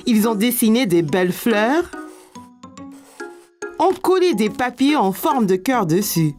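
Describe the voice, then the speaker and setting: A woman's voice: medium pitch, a little mellow. A woman playing a kindly storyteller and teacher in a French-dubbed children's cartoon, over music. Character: kindly storytelling woman narrator, also voicing preschool teacher. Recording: light music behind the voice.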